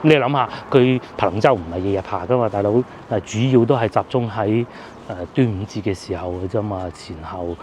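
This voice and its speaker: A man's voice: on the low side, a little fast, a little mellow, slight background noise. A man with a Cantonese accent giving rambling, casual vlog narration while riding through streets outdoors. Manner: chatty, rambling with fillers. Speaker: food vlogger.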